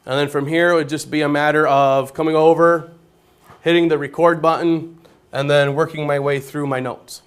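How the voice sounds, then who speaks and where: A man who teaches geometry speaks in a loud, smooth, resonant voice. He explains his classroom setup plainly, one step at a time, like a demonstration for colleagues. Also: on the high side, steady tone, normal speed. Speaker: high school geometry teacher.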